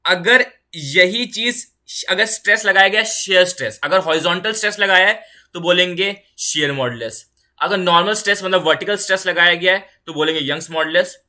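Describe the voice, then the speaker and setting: Bright-voiced woman physics teacher. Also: lowish voice. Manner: repeats key phrases, mixes English terms into fast explanation; reassuring, checks in with "ठीक है". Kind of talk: online exam-prep lecture.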